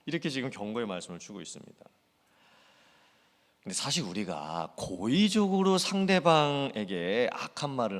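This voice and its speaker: A man preaches a sermon as senior pastor, his pitch swinging in lively arcs as he talks earnestly, then drops suddenly soft. His voice rings with the long reverb of a church sanctuary.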